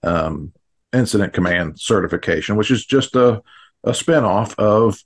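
A middle-aged American man with a husky voice, explaining his work in an interview over a video call. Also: lowish voice, expressive, moderate pace. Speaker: fire command instructor and podcast guest. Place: small indoor home studio, on a video call. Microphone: studio mic on boom arm.

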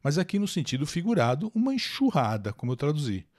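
Lively Brazilian man teaching pronunciation. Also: fairly high pitch. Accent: Brazilian Portuguese. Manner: chatty, drawn-out pronunciation drills, answers viewers by name. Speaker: English teacher and channel host. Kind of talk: live lesson, reading and translating an article.

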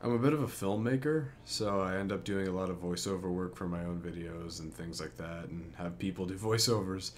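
A man's voice: low-pitched, brisk, few pauses, a little hiss or hum. A man speaking casually and a little tentatively as an amateur voice actor introducing his work. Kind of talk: casual voice demo narration. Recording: music behind the voice. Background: music.

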